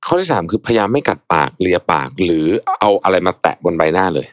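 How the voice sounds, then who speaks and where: A young man with a very low voice talks through tips in a relaxed, chatty way, softening his sentences with polite particles. The sound is dry and close, with no room around it. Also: fast talker, no echo. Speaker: podcast host. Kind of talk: casual advice talk.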